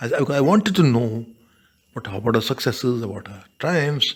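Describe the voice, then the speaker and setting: A man speaks at a medium pitch with an Indian accent. His pitch swings very widely. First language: Tamil. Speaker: hospitality professor. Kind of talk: storytelling. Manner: halting.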